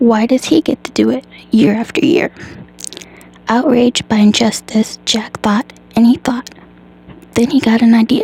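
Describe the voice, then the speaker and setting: Soft-spoken delivery at a moderate pace, long and frequent pauses, noticeable background noise. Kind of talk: ASMR book reading.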